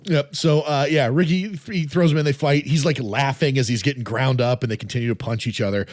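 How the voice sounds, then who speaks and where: Male podcast host, mid-pitched, casual plot recapper, dry close mic. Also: brisk, dry recording. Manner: steady recapping with frequent "uh" and laughs.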